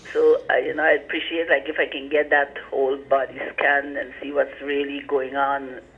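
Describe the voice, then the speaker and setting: Speech comes at a moderate pace with hardly any pauses. Noticeable background noise is present. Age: 80s+. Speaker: caller. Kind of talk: call-in health question. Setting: phone call. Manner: sounds younger than age.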